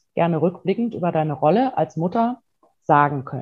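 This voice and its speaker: Lively intonation at a moderate pace, somewhat breathy. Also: woman. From Rhineland, western Germany. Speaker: life and job coach, author. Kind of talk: interview. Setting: video call.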